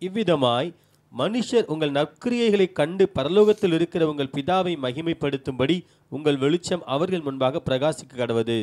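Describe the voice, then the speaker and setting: A man reading a scripture verse aloud slowly and evenly. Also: on the high side, lively intonation, darkish tone. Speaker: scripture reader.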